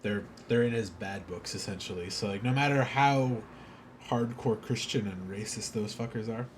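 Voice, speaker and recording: A man's voice: on the low side, normal speed. A man streaming a video game, giving casual, rambling, informal commentary. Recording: clear background noise.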